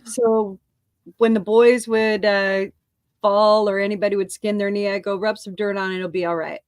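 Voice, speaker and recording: A woman's voice: medium pitch, flat delivery, moderate pace, dry recording, clean studio sound. A middle-aged woman co-hosting a casual talk show, speaking candidly, swearing freely and laughing often. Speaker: co-host. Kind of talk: casual chat.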